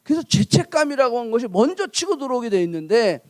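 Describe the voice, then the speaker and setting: A man preaching a sermon, telling a folk tale with playful, animated delivery and asking the congregation questions. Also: extremely high pitch, quick pace, no echo. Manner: animated, playful, acts out characters. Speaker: pastor. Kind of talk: sermon with lively storytelling.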